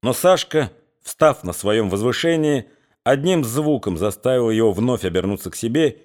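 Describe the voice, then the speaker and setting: A man narrating a literary story aloud in a measured, expressive reading. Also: mid-range voice. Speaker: audiobook narrator.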